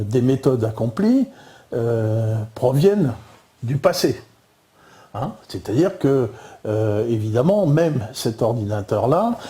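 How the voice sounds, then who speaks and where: An older man with a Parisian accent giving an informal lecture over slides, halting often with fillers and repeated words. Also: mid-range voice, dark tone. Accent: Parisian French.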